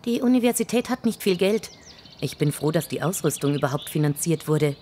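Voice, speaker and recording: An actress playing a keen, friendly female archaeologist in a German audio drama, brisk and confident in manner. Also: sits low, animated, dark tone, slight background noise. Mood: thoughtful.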